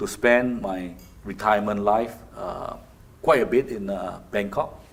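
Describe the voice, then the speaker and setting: Against audible room echo, a man talks at a fairly slow pace with lively intonation. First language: not English. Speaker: insurance executive. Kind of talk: interview. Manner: halting, many fillers.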